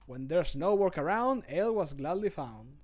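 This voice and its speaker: A man's voice: a little high, lively intonation, normal speed. A man voicing a cheery, quirky ale-loving fantasy game character in a whimsical, sing-song manner. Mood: cheerful. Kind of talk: fantasy video game voice lines.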